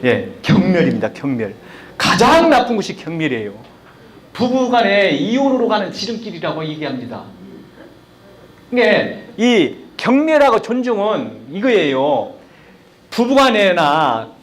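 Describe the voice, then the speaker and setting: A man giving a live lecture on communication, asking the audience questions and acting out example sentences. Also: high-pitched. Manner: lively, questions the audience, acts out example lines.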